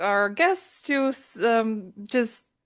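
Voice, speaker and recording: The speech carries a non-native accent. Behind it, all is quiet. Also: woman. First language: not English. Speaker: podcast host. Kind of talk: casual chat.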